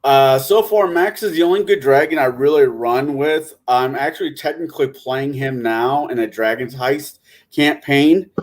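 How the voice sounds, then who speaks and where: A man's voice: mid-range voice, moderate pace. A man chatting casually as a game master on a gaming panel, rambling, stumbling and correcting himself. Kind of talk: casual chat.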